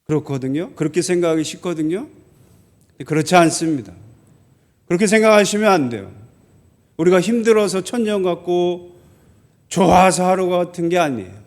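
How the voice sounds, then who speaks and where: A male pastor preaching a sermon in a church, telling a story from his army days and asking the congregation questions. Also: high-pitched. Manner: storytelling, slows and stresses key phrases, asks the congregation questions.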